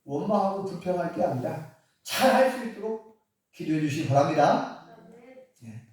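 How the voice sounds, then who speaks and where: A man, a pastor, preaching a sermon in an animated storytelling way with chuckling asides. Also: fairly high pitch, moderate pace. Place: church sanctuary. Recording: echoey church hall from far off.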